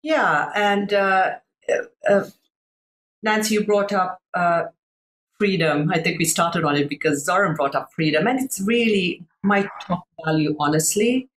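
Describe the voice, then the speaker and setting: A woman's voice: lowish voice, unhurried. Thoughtful woman from Sri Lanka on a video call. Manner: thoughtful, searching for words with many fillers. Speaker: master coach, panel guest. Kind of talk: reflective panel discussion. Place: room at home.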